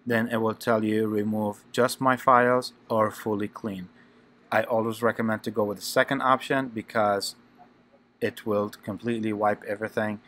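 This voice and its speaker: A man's voice: lowish voice, a bit bright. A man hosting a tech tutorial channel, talking through each step plainly and repeating his instructions.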